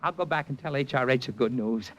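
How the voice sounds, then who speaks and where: An actor playing a brash middle-aged movie agent who narrates a 1950s radio drama. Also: male voice, medium pitch, a little fast, fairly bright tone, highs cut off, close to an everyday voice. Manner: brash, breezy wisecracking. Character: fast-talking middle-aged male talent agent.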